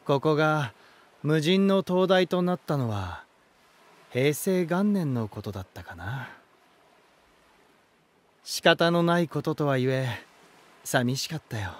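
A man's voice: fairly high pitch, expressive. An actor voicing a genial, elegant male lighthouse spirit in a voice drama, telling stories in a theatrical manner. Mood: wistful. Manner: smooth-mannered, theatrical, unhurried storytelling. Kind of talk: Japanese voice drama acting.

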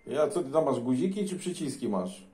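A man's voice: medium pitch, very animated, moderate pace, mellow, slight background noise. A man making casual, teasing and blunt small talk as a CB radio operator, in colloquial language.

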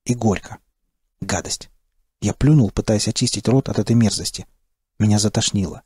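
A man narrating an audiobook in the first person with a steady, terse delivery. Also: lowish voice, moderate pace, breathy edge, dry recording, studio quality.

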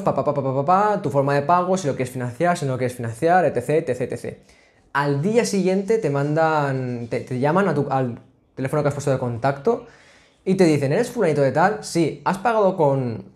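A man in his twenties talking casually to his webcam from a small home office, chatty and full of restarts. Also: on the high side. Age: 20s. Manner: chatty, restarts and filler sounds, animated hand gestures. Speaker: student vlogger. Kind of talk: casual explainer vlog. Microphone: laptop webcam, framed at a desk.

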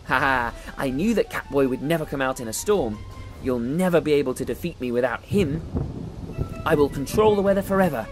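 A woman's voice: very deep voice, animated, voice pushed down, rough recording. A woman voicing a smug, scheming boy mad scientist who gloats and boasts in a children's toy story. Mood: gloating. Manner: gloating, boastful, drawn-out cackles. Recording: music behind the voice.

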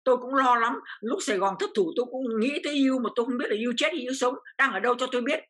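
A woman's voice: a little high, very fast, a bit bright. An older woman from Vietnam, an interview guest, telling a personal story with feeling and repeating phrases as her voice rises.

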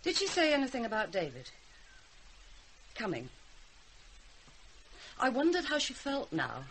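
Anxious prim mother, lively pitch. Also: a little slow, slight background noise, full character voice, poor audio. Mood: strained, probing. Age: middle-aged. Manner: brittle, polite, hesitant. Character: anxious, prim middle-aged mother, ex-schoolteacher manner. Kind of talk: radio drama acting.

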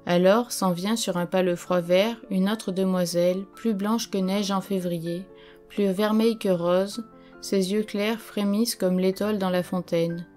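A woman reading an audiobook as narrator, in a measured, solemn storytelling manner. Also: mid-range voice, steady tone, darkish tone, faint music behind. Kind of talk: scripted narration.

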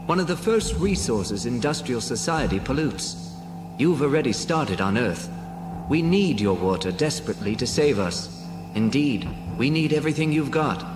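A man voicing a sorrowful male alien rebel leader in a read-along story, speaking in a grave, measured way. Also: medium pitch, lively intonation, in a large hall, natural voice. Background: music.

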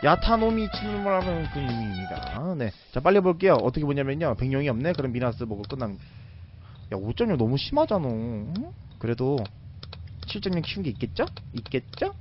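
Excitable male game streamer, lively swinging delivery, slightly dull lo-fi sound with faint music behind. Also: medium pitch, a little fast. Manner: excitable, with sudden loud shouts. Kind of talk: casual gameplay commentary.

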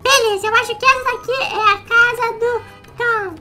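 A woman hosting a gaming channel, narrating a game role-play in an excited, chattering, exclamatory way. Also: very high-pitched, normal speed. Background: music.

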